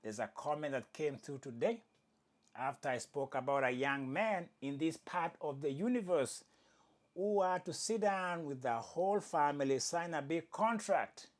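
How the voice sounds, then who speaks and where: A man's voice: on the high side, normal speed. A man hosting a casual sports commentary show, with Swahili as his first language, joking and correcting himself as he talks. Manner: animated, jokey, self-correcting. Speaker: host.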